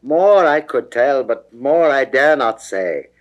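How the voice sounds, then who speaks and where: Man acting a proud, indignant young man, slow declamation. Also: mid-range voice, animated. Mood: resolute. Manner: emphatic, declamatory, measured. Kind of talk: classical dramatic verse reading.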